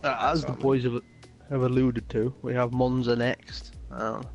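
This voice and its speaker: A man's voice: medium pitch, level tone, measured pace, a little mellow, faint music behind. A man interviewing a driver in a casual, joking way. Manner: light, joking questions.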